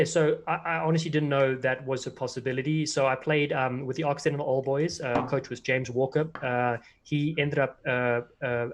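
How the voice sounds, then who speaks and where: A South African man telling rambling anecdotes as a guest in a casual interview, full of fillers and restarts, over a video call. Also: mid-range voice. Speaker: guest, former player and commentator.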